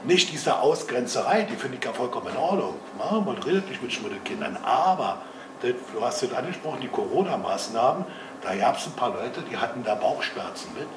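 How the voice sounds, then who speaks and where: An older man from Berlin talks emphatically in a plain, everyday way. He is picked up from a distance in an echoey room. Steady background noise runs under his voice. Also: medium pitch, a little fast. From Berlin, Germany. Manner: emphatic, colloquial. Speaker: audience member. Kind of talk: opinionated audience comment. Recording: echoey room, voice from far off, noisy.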